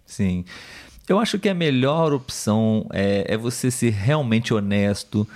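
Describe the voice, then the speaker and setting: A man with a Brazilian accent talking as the host of a language-learning live show, conversational and instructive, pausing to find words and often checking for agreement. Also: lowish voice, expressive, a little mellow. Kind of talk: conversational teaching, reading viewer comments.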